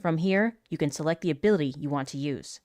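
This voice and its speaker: A commanding female military commander, voiced by a woman, firm and authoritative yet unbothered, as if she has seen it all. Her voice sits a touch low and is heard close and dry, with no room sound. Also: fast talker, darkish tone, dry recording, natural voice. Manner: firm, authoritative delivery of game instructions. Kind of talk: voice acting demo reading game lines.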